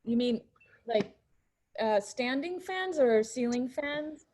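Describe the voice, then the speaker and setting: A woman's voice: fairly high pitch, expressive, takes it slowly, darkish tone, a little hiss or hum. A woman interviewing a guest, chiming in with brief clarifying questions.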